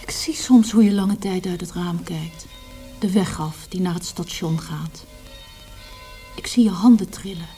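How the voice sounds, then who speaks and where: An actress playing the concerned but firm wife of a poet, speaking intimately and softly in a literary radio drama. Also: female voice, on the low side, measured pace, soft background music. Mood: worried, firm.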